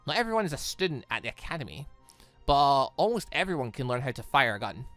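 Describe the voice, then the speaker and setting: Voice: mid-range voice, very animated, quick pace, fairly bright tone, no echo, voice pushed down. A game streamer voicing a breezy, knowledgeable female hunter who explains the world to a student in a casual, confident way. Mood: matter-of-fact. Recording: music playing under the voice.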